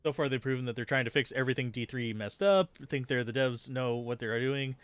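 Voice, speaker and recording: A man's voice: medium pitch, fairly quick, clean tone, no room sound. A man giving casual, sweary live gameplay commentary and chatting with viewers in a sardonic, self-deprecating way. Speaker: game streamer, host.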